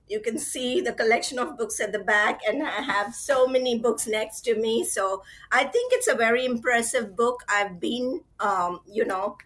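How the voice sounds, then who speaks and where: A woman's voice: fairly high pitch, a bit bright, rough recording. A woman guest speaking from a home office on a video call, explaining her expertise fluently and with assurance. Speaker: guest, author and AI ethics expert. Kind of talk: interview answers.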